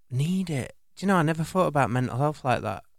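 With a Yorkshire accent, a man talks in a fairly high pitch with lively intonation on a very clean recording with a silent background. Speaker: comedy podcast host. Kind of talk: comedic casual chat.

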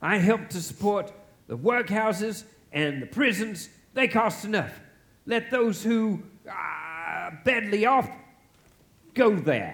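Putting on a gruff character voice, a man speaks in a high pitch at a fairly slow pace, with long, frequent pauses. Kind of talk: stage radio play acting. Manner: gruff, scornful, miserly.

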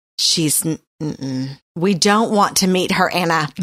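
A woman talks very slowly, her pitch fairly low. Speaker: women's ministry podcast co-host. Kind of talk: casual chat about faith. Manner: loud.

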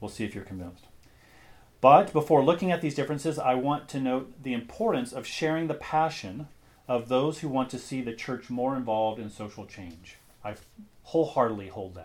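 In a plain, everyday voice, the speaker moves at a fairly quick pace with lively intonation and big swings in loudness. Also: man, medium pitch for a man. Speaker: lecturer. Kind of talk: lecture. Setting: lecture hall with audience discussion.

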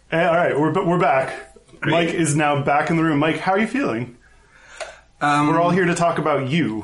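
Over noticeable background noise, a man with a fairly high voice talks at a moderate pace, with ordinary pitch variation and very even loudness. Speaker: podcast co-host.

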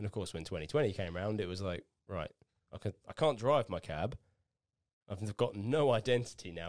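Very fast delivery in a London accent. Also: man, quiet background. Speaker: taxi driver and YouTuber. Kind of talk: casual chat.

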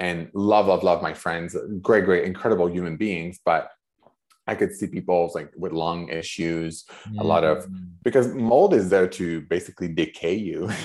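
A man's very deep, low voice in a French Canadian accent, fairly even in intonation, on a very clean recording with a silent background. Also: moderate pace. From Quebec, Canada. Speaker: health practitioner and podcast host. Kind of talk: interview, casual conversation.

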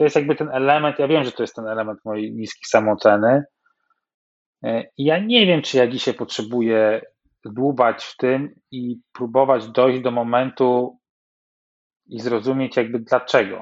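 A man talks at a moderate pace in a plain, everyday voice. His loudness swings widely. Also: medium pitch for a man, fairly even intonation. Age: 40s. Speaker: film producent and author recovering from addiction. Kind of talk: interview.

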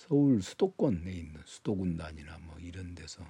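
A man speaks at a fairly slow pace in a very deep, low voice with a dark, mellow tone and a somewhat breathy quality. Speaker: podcaster and veteran Marine commenting on current affairs. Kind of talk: casual solo monologue. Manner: halting, with frequent self-corrections.

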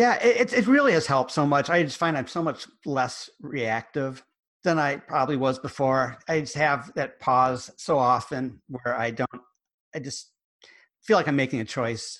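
A man uses an ordinary speaking voice, keeping a moderate tempo. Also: fairly high pitch for a man, ordinary pitch variation. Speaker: ADHD coach. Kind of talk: interview conversation.

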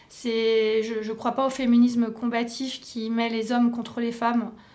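A woman with a fairly high voice talks at a fairly slow pace, and audible room echo surrounds her. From France and Spain. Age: 40s. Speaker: artisanal food producer and entrepreneur. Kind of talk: interview. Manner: halting.

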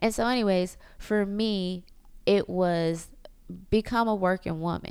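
In an American accent, a woman speaks at a fairly slow pace with ordinary pitch variation and an ordinary speaking voice. The recording is very clean, with a silent background. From US, Jamaican family. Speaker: podcast host, stay-at-home mom. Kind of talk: solo monologue podcast.

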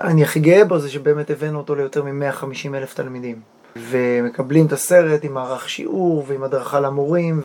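With an ordinary speaking voice, a man of fairly high pitch talks at a moderate pace with fairly even intonation. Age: 40s. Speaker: documentary filmmaker. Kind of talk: interview. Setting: in person at his place.

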